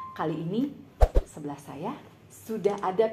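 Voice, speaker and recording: Noticeable background noise surrounds the recording. A woman speaks at a moderate pace. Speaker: podcast host. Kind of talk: podcast interview questions.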